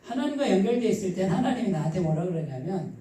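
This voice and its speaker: Husky male pastor in an echoey church. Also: sits high, big pitch swings, quick pace, warm tone. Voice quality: husky, stifled. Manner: asks the congregation rhetorical questions and answers them. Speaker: pastor preaching. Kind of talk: conversational sermon. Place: church midweek service, echoing room. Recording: echoey church hall, distant mic.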